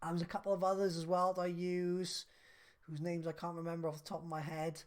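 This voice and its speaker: A man in his thirties on a live stream, reading out viewer questions and answering them in a relaxed, chatty way with lots of fillers. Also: on the high side, fast. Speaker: craft business live streamer.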